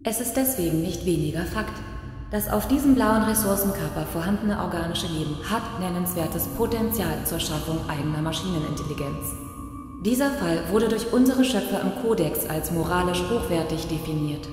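A woman playing a calm, principled machine archivist in a science fiction audio drama, speaking with precise, formal, analytical diction. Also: lowish voice, moderate pace, close to an everyday voice. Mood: firm, principled. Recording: cavernous echo and reverb, music behind.

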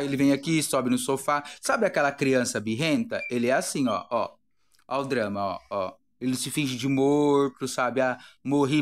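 Lively Brazilian man vlogging at home. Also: a little high, noisy background. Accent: Brazilian Portuguese. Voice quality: animated, playful narrating. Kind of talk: casual chat to viewers. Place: home living room with a sofa.

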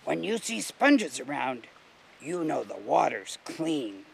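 A man's voice: on the high side, big pitch swings, takes it slowly, vocal fry, a little hiss or hum, heavily acted. A man voicing a grumbly, knowledgeable male river mussel in a children's storybook, explaining things emphatically.

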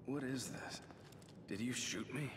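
An actor playing a weary, gruff, guarded detective in a horror video game. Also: male voice, mid-range voice, a little slow, lightly acted. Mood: confused, wary. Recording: quiet game audio under heavy ambient noise.

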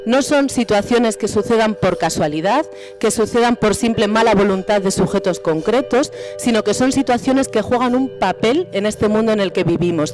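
A woman speaking as a feminist economist at a panel table mic, in a measured, rhetorical style that builds long lists. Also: medium pitch, a little mellow. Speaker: feminist economist, tribunal expert. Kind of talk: formal statement. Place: conference hall panel.

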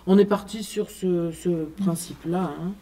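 A woman's voice: lowish voice, steady tone, normal speed, mellow. A woman presenting a planning design to a group standing around a table, hesitant, with many fillers and restarts. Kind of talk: explaining a plan around a table. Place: meeting room, group standing round a table.

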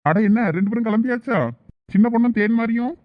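Guy playing a young village lad, fast and defensive, dull dry sound. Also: very high voice, fairly even intonation, no room sound. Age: young adult. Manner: quick, defensive, protesting. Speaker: comic skit actor. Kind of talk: village comedy skit acting.

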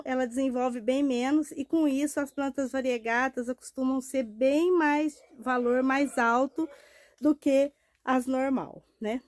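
A woman in her fifties from Brazil, hoarse from a cold, chatting warmly about her succulents in a shaded greenhouse nursery. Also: high voice, dry recording, studio quality. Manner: chatty and affectionate, tag questions and diminutives. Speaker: succulent grower. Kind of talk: casual plant-care vlog. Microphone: wired lapel mic.

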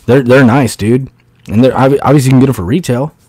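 A man in his late thirties talks over a video call in a loose, rambling way, swearing often. His voice sits at an ordinary middle pitch. The sound is dry and close, with no room echo. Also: fast, darkish tone, breathy edge. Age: 30s. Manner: rambling storyteller, swears freely. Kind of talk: casual livestream chat.

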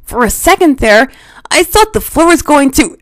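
A woman voicing an eager, brash boy hero of about ten from a cartoon, excitable and quick to shout. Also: sits high, no echo. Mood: excited. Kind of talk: cartoon voice impression demo.

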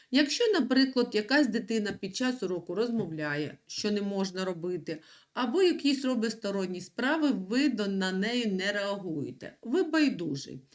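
Patient woman teacher with lively intonation. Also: medium pitch. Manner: clear, patient, emphatic teacher explaining to children. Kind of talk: recorded online school lesson.

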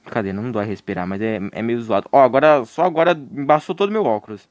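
Here the young streamer sounds mid-range and quick, with no room sound but dull audio. He has a Brazilian Portuguese accent and jokes with his chat during a live horror game, yelping in panic when startled.

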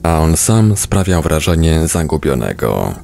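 A man's voice: very deep voice, big pitch swings, a little slow, creaky, warm tone. A man reading a first-person book aloud as scripted narration. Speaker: audiobook reader.

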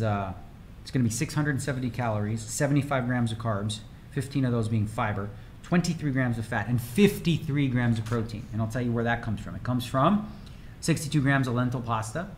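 A man's voice: mid-range voice, a little hiss or hum. A man in his forties chatting energetically and rambling while streaming a game from his home room. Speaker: poker streamer. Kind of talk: casual livestream chat.

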